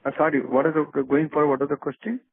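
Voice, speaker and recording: An Indian-accented man answers questions as an executive on a narrow, muffled phone conference line. His voice is husky and creaky, and he speaks haltingly, often restarting and repeating words. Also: fairly high pitch, flat delivery, dry recording. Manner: halting, repetitive, hedging with restarts. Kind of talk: unscripted earnings call answers. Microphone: telephone conference call.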